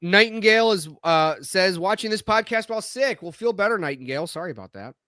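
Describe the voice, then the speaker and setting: A man with a bright, forceful voice chats casually on a podcast, his throat slightly scratchy from allergies. He rambles and restarts his sentences often. The sound is dry and close. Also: high-pitched, expressive, brisk, no echo. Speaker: podcast co-host. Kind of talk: casual chat.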